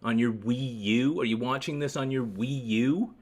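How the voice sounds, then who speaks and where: A man rambles through a live stream, grumbling at his viewers with sarcastic jabs and constant swearing. His voice sits at an ordinary middle pitch for a man. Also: normal speed. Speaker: livestream host.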